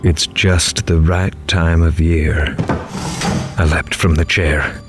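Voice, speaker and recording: A man's voice: low-pitched, fairly even intonation, takes it slowly. A man playing a grave, horrified reporter in a horror audio drama, dramatically telling his story in the first person. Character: horrified male reporter recounting an interview with a killer. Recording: music underneath.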